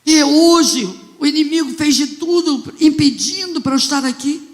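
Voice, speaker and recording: A woman with a Brazilian accent, a bishop telling a story in a sermon, fervent and swelling into loud exclamations. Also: sits high, moderate pace. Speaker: bishop preaching. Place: church sanctuary. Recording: long church reverb.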